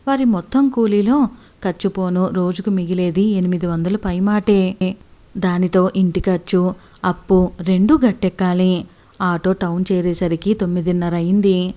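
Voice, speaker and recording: A woman tells a village story in a steady, even way. Her voice sits low and mellow, warm rather than bright, suited to scripted narration.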